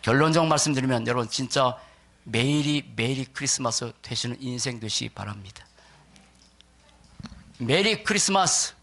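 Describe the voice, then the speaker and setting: Bright, forceful man preaching a sermon. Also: medium pitch, animated, moderate pace, long pauses. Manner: puts rhetorical questions to listeners. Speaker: pastor preaching. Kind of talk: church sermon to a congregation.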